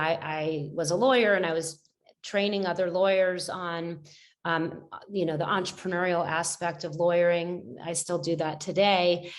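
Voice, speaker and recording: A middle-aged woman talking as a podcast guest, reflective and rambling, with many fillers and restarts. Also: on the low side. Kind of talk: casual conversational interview.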